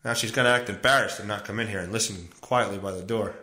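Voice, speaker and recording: A man's voice: lowish voice, fairly even intonation, fast talker, pushed and bright. A man hosting a casual solo podcast, reading news aloud and reacting with sarcastic, profane, rambling commentary from a room at home. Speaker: podcast host. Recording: roomy echoey home recording.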